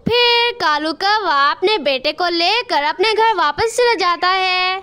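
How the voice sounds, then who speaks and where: A woman's voice: very high-pitched, expressive, slow pace, sharp tone. A woman narrating a children's cartoon story in a simple storytelling way.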